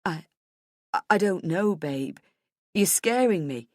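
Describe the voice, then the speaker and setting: A woman voicing a frightened, tearful husband in an audiobook, gentle and pleading, with a hesitant delivery. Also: on the low side, animated, takes it slowly, no echo, studio quality. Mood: scared, pleading. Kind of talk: dramatic audiobook character dialogue.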